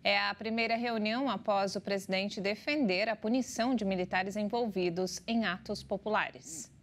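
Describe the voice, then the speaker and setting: A woman news anchor reading scripted headlines in a steady, measured way from a TV studio. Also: medium pitch.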